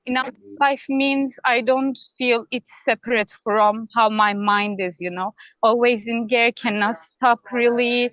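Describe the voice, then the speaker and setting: A tired, exhausted woman calling in to a spiritual teacher over a bad connection, speaking haltingly and apologetically and repeating her words. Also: a little high, fairly even intonation, no echo. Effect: bad call connection. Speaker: caller asking a spiritual teacher. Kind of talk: hesitant questions on a call. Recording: dull, dry call line.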